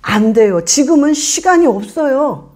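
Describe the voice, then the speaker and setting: Animated, high-pitched woman pastor preaching. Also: measured pace. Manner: animated, acts out congregants' voices; emphatic, repeats commands. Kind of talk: sermon.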